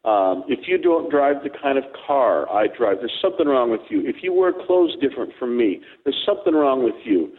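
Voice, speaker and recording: A man's voice: mid-range voice, very animated, moderate pace, hardly any pauses. A man co-hosting a radio talk show, joking and rambling as he tells stories. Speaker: co-host. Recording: tinny phone line.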